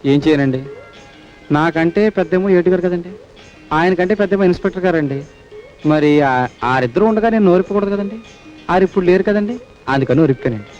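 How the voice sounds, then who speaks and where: An actor playing a meek, kind-hearted village constable who talks in a deferential, pleading way. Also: male voice, sits high, fairly quick, long pauses, darkish tone, lightly acted. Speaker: police constable. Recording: dull old film soundtrack with music.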